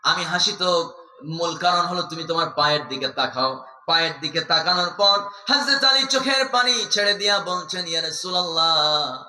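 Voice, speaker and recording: Fervent young preacher, echoey loudspeakers. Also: male voice, a little high, moderate pace. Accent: Bangladeshi Bengali. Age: young adult. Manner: fervent storytelling waz delivery, swinging between loud cries and hushed tones. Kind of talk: sermon.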